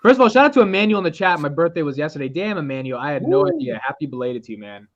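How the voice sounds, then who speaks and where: Young guy hosting a chill podcast, fast talker, swings his pitch a lot, kinda lo-fi mic. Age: 20s. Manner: animated, swears casually. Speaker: podcast host. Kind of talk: casual group podcast chat.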